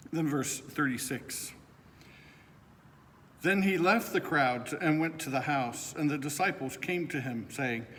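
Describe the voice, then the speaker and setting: A middle-aged pastor reading the gospel in a steady, clear liturgical manner in a church. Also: male voice, on the high side. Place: church sanctuary, indoors. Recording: echoing church with faint noise.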